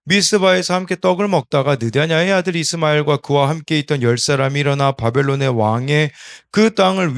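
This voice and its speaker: A man in his thirties, a pastor, giving an early-morning Bible devotional in a measured, explanatory way and addressing the congregation. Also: fairly high pitch. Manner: sometimes slips into regional dialect speech. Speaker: associate pastor, son of senior pastor.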